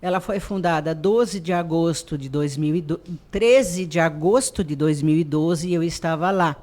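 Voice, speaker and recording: A woman, president of an artisan association, telling animated stories in a radio interview and acting out quoted dialogue. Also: fairly low pitch. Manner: animated storyteller who acts out quoted dialogue.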